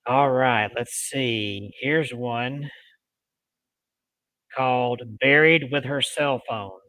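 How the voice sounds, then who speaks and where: Male paranormal show host, deliberate storytelling read with casual touches, forward bright tone, dry recording. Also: medium pitch, no echo, low-quality recording. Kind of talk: reading ghost stories aloud with casual asides.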